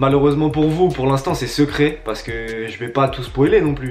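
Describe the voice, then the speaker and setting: With noticeable background noise present, a man talks in a fairly high pitch. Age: 20s. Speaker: skateboarder youtuber. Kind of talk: casual Q&A vlog. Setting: bedroom. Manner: animated, casual.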